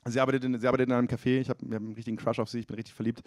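A man's voice: medium pitch, level tone, very fast, darkish tone, no room sound, studio quality. A man in his thirties from East Frisia doing a self-mocking stand-up set on a comedy club stage, talking with the crowd. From East Frisia, Germany. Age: 30s.

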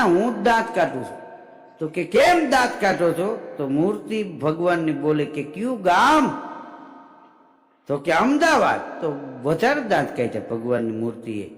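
A man performs folk comedy on stage, spinning stories and slipping into the voices of his characters. His voice sits high, and it rings through a large hall with a long reverb. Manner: animated storyteller acting out characters in quoted voices. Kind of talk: live folk comedy storytelling.

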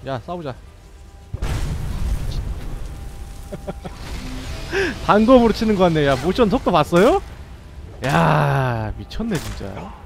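Young male game streamer, high voice, swings wide, cursing outbursts, faint music behind. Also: very animated, moderate pace, vocal fry. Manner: swearing, yelling bursts at the game. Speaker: gameplay streamer. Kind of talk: live gameplay commentary.

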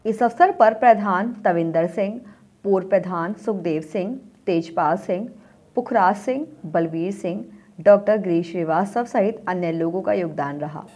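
A woman's voice: lowish voice, moderate pace, slight background noise. Young woman reading studio news. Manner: formal, even newsreader delivery. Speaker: news anchor. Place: studio with virtual set.

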